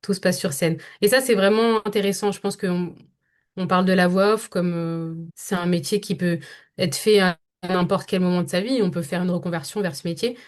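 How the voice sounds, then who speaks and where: A woman's voice: lowish voice, fairly even intonation, fairly quick. A young French woman, a voice-over actress, talking through her career as a podcast guest, thoughtful and full of hesitations. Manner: thoughtful, many hesitations and restarts. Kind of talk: podcast interview conversation.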